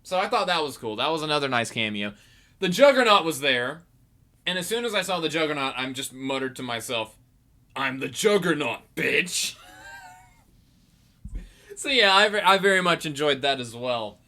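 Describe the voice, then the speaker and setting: A young man with a very bright, sharp voice, pitched a bit high for a man. He hosts a podcast and rambles through an excited movie review, stumbling over his words and restarting often. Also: moderate pace, pauses often. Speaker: podcast host. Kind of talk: casual movie review monologue.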